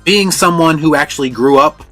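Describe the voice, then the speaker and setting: A male host presents scripted review commentary in a voice slightly high for a man, with a sharp tone and normal speed. Soft background music runs beneath him.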